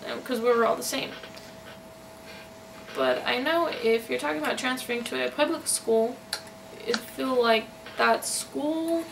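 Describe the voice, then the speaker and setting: Female interpreter voicing a signed account, halting delivery, creaky voice, picked up from a distance with faint noise. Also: on the high side. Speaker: sign-to-voice interpreter. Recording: noisy, distant microphone.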